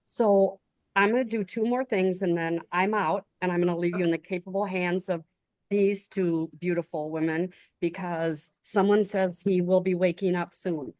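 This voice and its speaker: A woman's voice: fairly low pitch, fairly even intonation, moderate pace, darkish tone, no room sound. A woman co-hosting a video-call chat, talking in a joking, chatty way. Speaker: co-host. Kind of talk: casual chat.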